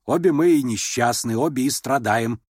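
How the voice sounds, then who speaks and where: A man voicing an imperious, sharp-tongued middle-aged noblewoman and mother, scolding and abrupt, in an audiobook. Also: mid-range voice, normal speed, no room sound, clean studio sound, natural voice. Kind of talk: audiobook character reading.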